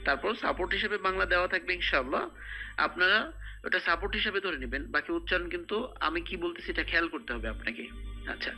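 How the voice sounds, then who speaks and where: A man teaching Quran reading in a recorded lesson, patiently explaining each sound step by step and repeating it slowly. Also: high voice, animated, sharp tone, rough recording.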